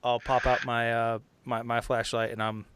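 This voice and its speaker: A man's voice: mid-range voice, monotone, moderate pace, a bit bright, clean tone. A man playing a tabletop game, casually rambling with many restarts. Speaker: player. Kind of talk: casual chat.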